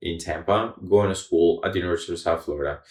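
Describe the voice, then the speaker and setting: A man with a Colombian accent speaks at a very fast pace. His pitch is very deep and low, against a quiet background. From Colombia, small town. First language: Spanish. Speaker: orchestral trumpeter. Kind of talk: casual interview chat.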